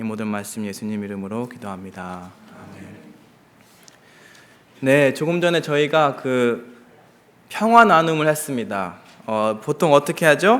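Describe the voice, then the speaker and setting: A man's medium-pitched voice at a fairly slow pace, with very wide pitch swings, big swings in loudness, and long, frequent pauses. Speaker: pastor. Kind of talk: sermon. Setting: church.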